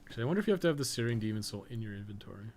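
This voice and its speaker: A man's voice: lowish voice, very animated, racing, a little mellow. A man giving casual, rambling live commentary while playing a video game, with some swearing and self-amusement. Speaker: video game streamer and podcast co-host.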